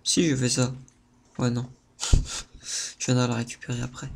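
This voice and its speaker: Excitable man commentating his gameplay. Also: a little slow, gravelly. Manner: excitable, repeats words, sudden high-pitched outbursts; playful theatrical exclaiming, addresses viewers. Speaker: gaming video host. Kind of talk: let's-play gameplay commentary.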